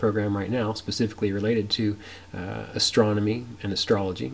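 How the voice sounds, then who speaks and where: A man with an Appalachian accent, fairly low-pitched and very fast, fairly even in intonation, amid noticeable background noise. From West Virginia, US. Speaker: astrologer and teacher. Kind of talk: online class lecture. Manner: casual, with many fillers.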